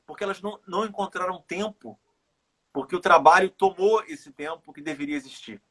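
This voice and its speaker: Middle-aged Carioca man, husky and a bit high, thoughtful guest who circles back on his words. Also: fairly bright tone. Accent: Carioca Brazilian Portuguese. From Rio de Janeiro, Brazil. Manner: reflective, halting, repeats words while thinking. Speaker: guest, runner and author. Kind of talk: casual live interview chat.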